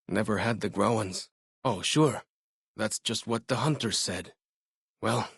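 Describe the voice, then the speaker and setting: An actor playing a young tribal scout in a video game, friendly, eager and earnest, speaking in simple, informal phrasing. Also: male voice, on the low side, fairly bright tone, slightly rough, dry recording, studio quality, full character voice. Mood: hesitant, uneasy. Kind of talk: video game character dialogue.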